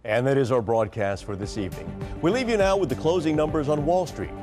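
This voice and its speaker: A young adult man anchoring an evening newscast from a studio desk, reading scripted stories in a measured, formal way. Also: mid-range voice, expressive, darkish tone, soft background music. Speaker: news anchor.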